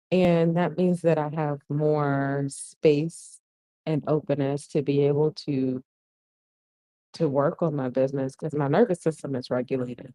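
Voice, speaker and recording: A woman in her forties, speaking, hosting a casual livestream. She talks softly to keep her voice down, reads viewer comments aloud and laughs often. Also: deep voice, no room sound. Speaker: livestream host. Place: shared co-working space. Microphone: earphones mic.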